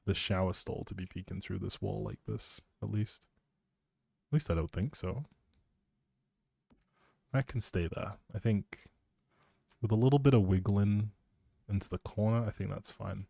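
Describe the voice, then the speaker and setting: A man chatting casually on a live game stream, informally thinking out loud as he goes. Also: on the low side, moderate pace, gravelly, long pauses, slightly rough, no echo, clean studio sound.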